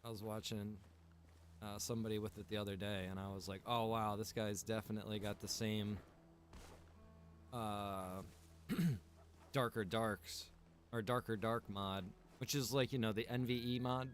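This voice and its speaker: A man's voice: lowish voice, unhurried, slight background noise. A man streaming a survival game, chatting casually and rambling to his viewers while he plays. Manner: relaxed, rambling, greets chat viewers by name.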